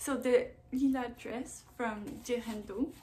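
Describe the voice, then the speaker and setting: Somewhat breathy, a woman speaks at a very slow pace with fairly even intonation. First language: French. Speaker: sewing vlogger. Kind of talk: casual chat. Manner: halting.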